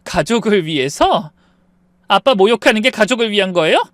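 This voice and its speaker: A wounded young wife and loyal daughter from an audio story, voiced by a male reader, her voice pitched high and lively. She pleads tenderly and then flares up indignantly. The sound is dry and close. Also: a little fast, dry recording.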